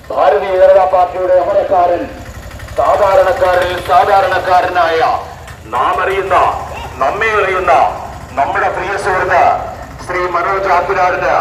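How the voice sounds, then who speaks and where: A man making a declamatory, drawn-out campaign appeal in megaphone style over a loudspeaker. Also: sits high. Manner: megaphone-style public address, drawn-out rhetorical phrasing. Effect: loudspeaker announcement. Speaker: election candidate announcing his own campaign. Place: outdoors, from an autorickshaw. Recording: echoing loudspeaker, dull, faint vehicle noise.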